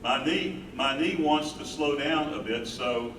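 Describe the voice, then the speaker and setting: A man's voice: mid-range voice, unhurried, close to an everyday voice. A man playing a tender, mournful aging husband and caretaker in a staged reading. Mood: weary, devoted. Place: live staged reading in an echoey room. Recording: roomy, distant, noisy stage recording.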